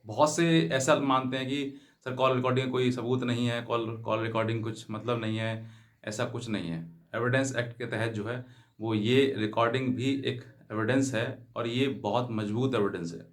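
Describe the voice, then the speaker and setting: A man's voice: medium pitch, fairly even intonation, moderate pace. A man giving an explanatory legal advice talk to viewers, often rephrasing himself and glossing English terms in Hindi. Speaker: legal advice channel host.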